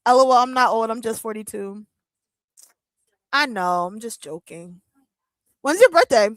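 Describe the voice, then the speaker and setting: A woman's voice: on the high side, expressive, a little slow, no room sound, low-quality recording. A woman in her thirties chatting casually on a live wrestling watch-along, joking with her chat, laughing often and using lots of fillers. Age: 30s. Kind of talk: casual live-stream chat reading comments.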